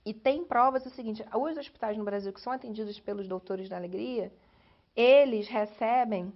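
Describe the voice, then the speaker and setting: A woman with a Brazilian Portuguese accent speaks in a somewhat high voice, telling her story in an oral history interview. She talks in an emotional, animated way. The recording sounds slightly dull and lo-fi. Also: normal speed.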